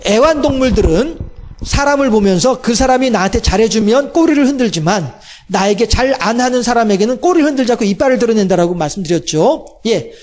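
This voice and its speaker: A male pastor with a strikingly high voice delivers a sermon. He keeps asking his listeners rhetorical questions. When he quotes someone, he slows down and goes soft. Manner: rhetorical questions, voices God's quoted words softly and slowly.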